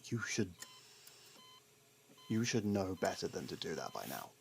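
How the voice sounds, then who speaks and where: A man acting a sarcastic, scolding criminal partner who hides his worry, in an ASMR roleplay with halting pauses. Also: sits low, wildly swooping pitch, creaky, a little hiss or hum, heavily acted. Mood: scolding, upset. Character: gruff, sarcastic criminal partner, secretly worried.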